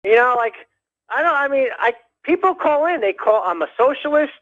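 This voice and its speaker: A man calling in to a radio show, rambling in a halting way with many fillers and restarts. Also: extremely high pitch, animated. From United States. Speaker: caller. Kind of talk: rambling call-in chat. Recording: dull lo-fi phone call.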